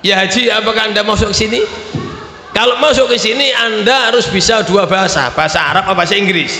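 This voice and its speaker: A preacher voicing a brisk male Arab door guard who questions a pilgrim quickly, in an echoey hall. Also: high voice, sharp tone, voice pushed up. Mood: questioning. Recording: echoey hall with faint ambience.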